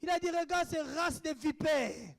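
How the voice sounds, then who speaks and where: Very high-voiced, fiery preacher. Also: male voice, moderate pace, gravelly. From Africa. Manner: impassioned, swings between shouted declarations and hushed asides. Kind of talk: sermon answering questions.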